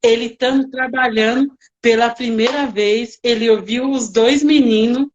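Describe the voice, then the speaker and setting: A woman working as a nanny, telling stories in a casual interview with lively, emotional reenactments. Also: a little high, a little slow, dull audio, slight background noise.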